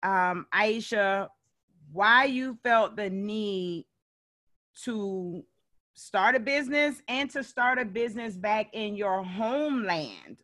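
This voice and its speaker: A woman hosting a podcast, asking her guest questions in a deliberate, emphatic way. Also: medium pitch, animated, a bit bright, no echo, studio quality. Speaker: podcast host. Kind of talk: podcast interview.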